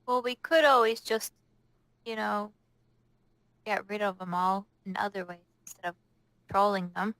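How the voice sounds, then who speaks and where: A woman's voice: medium pitch, steady tone, measured pace, long pauses, fairly bright tone, dry recording, low-quality recording. Woman gamer with close, dry sound. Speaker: tabletop roleplay player. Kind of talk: casual in-character game talk.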